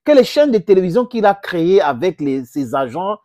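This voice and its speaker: A middle-aged man whose first language is English, giving impassioned direct-to-camera political commentary on a lapel mic, with sudden jumps in pitch for emphasis. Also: sing-song, normal speed, warm tone, no room sound, clean studio sound. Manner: impassioned, gesturing, addresses viewers as friends, pitch jumps for emphasis. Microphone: clip-on lapel mic.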